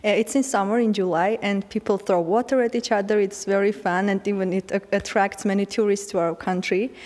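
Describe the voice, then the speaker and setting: A woman's voice: medium pitch, fairly even intonation, brisk, darkish tone. Hesitant woman with reverb. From Armenia. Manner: hesitant, many ums and restarts. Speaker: interviewee. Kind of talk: casual street interview. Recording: long reverb.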